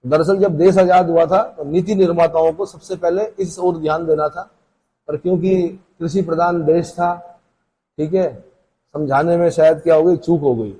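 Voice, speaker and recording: A husky male teacher with a fairly high, mellow voice, lecturing an exam-prep class. He talks casually, throws questions at the students and answers them himself, and reads the figures out with a lilt. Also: steady tone, normal speed, rough recording.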